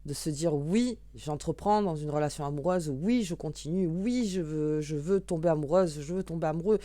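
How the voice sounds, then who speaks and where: Shuffling and pulling cards as she goes, a woman gives a relaxed, talkative tarot reading, musing aloud with fillers and false starts. Her low voice is warm and moderately paced, recorded dry.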